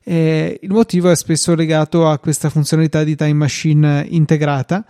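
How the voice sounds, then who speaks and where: Mellow-voiced Italian man, close and dry. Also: a little high, little pitch movement, normal speed, no echo. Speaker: podcast host. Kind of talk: conversational tech commentary, reading out listener mail.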